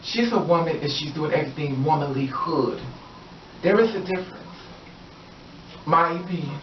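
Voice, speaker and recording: A woman's voice: low-pitched, normal speed, slight background noise. A woman vlogger giving her opinions in a casual monologue, emphatic and repetitive, preaching encouragement. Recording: roomy, distant, dull lo-fi audio.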